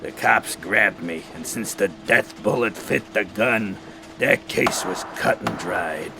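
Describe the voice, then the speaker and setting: A man playing a gravelly, bitter dead ex-crook. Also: fairly low pitch, takes it slowly, heavy background noise. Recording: music bed behind.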